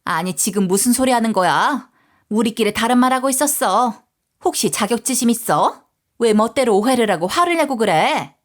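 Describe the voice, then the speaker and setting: A woman's voice: on the high side, lively intonation, moderate pace, natural voice. A woman voicing a snide, sly young sister-in-law in a story reading, with a dismissive way of talking.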